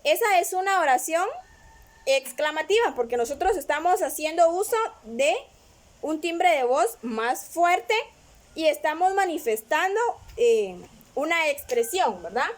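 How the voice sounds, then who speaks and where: A woman's voice: high voice, animated, unhurried. A woman teacher patiently explaining a grammar lesson, often checking in with the listener. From Guatemala. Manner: patient, repeats "¿verdad?" often.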